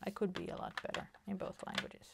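A Swedish woman in her forties with a Swedish accent, chatting softly at her craft table with many fillers and half-whispered asides. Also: fairly quick, very noisy. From Sweden. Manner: soft-spoken, slips into whispers, many fillers. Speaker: crafting channel host. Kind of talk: casual chat while crafting. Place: home craft table, indoors.

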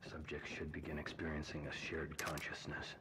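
A cold, detached scientist dictates an experiment log for a video game. The voice is extremely deep and nearly monotone, buried under heavy noise and clicks. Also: male voice, normal speed. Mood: cold, clinical. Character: cold clinical male scientist logging experiments.

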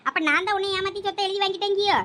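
A woman playing a sharp-tongued sister with a Thoothukudi accent. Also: very high voice, fairly even intonation. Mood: aggrieved. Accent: Thoothukudi Tamil. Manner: scolding, quick retorts. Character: sharp-tongued middle-aged elder sister, defensive. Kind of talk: village comedy skit acting.

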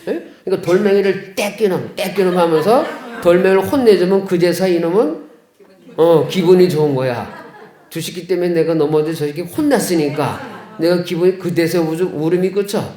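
A Catholic priest gives a homily in a folksy, questioning way and keeps turning to the congregation for replies. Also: male voice, on the high side, normal speed, warm tone. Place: chapel of a care center. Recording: echoey room.

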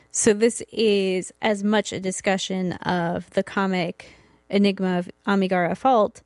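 A woman's voice: fairly low pitch, a little mellow, no room sound, clean studio sound. A young woman co-hosting a podcast, introducing a comic in a friendly, hesitant way. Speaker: podcast co-host. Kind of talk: casual chat about comics.

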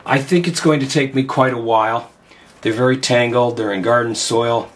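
An older man, hoarse with a cold, chats informally on his bonsai channel, working with his hands in a glass greenhouse and thinking aloud. His pitch is medium and his pace moderate.

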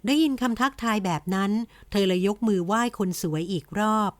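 Gentle woman narrating a romance novel. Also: mid-range voice, brisk, dry recording. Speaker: audiobook narrator.

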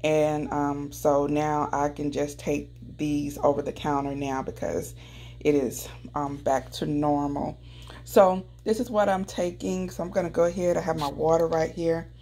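Low-voiced woman vlogging casually at home. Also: steady tone, a little slow, mellow. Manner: informal, addresses viewers directly. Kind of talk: casual vlog chat. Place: indoors in a house. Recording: clearly noisy home recording, clicks.

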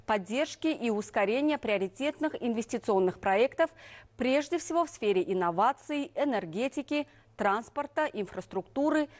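A woman news reader delivering formal scripted news in an official, measured manner. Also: on the high side, a little mellow.

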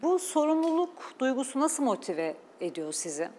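TV host, woman, brisk prompting questions, reverberant studio, faint noise. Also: high-pitched, sing-song, a little mellow. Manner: prompting, asks short questions. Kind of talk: TV interview hosting.

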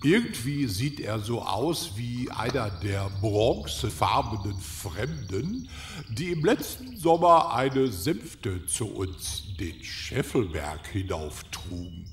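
A man playing a deferential, slightly dim castle butler in an audio drama, formal, polite and deliberate. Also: lowish voice, big pitch swings, reverberant, slight background noise, exaggerated voice. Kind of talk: German audio drama acting.

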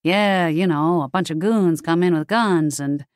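A woman's voice: on the low side, measured pace, no echo, clean studio sound, close to an everyday voice. A woman voicing the ghost of a wisecracking, slangy 1940s male detective in an audiobook. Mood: brisk, slangy. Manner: wisecracking old-time gangster slang. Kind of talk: audiobook character dialogue.

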